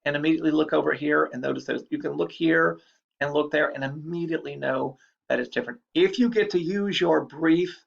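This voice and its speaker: A man's voice: fairly high pitch, a little fast, vocal fry. A man giving a recorded lecture in a chatty, explanatory way, repeating key points. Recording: dull lo-fi recording.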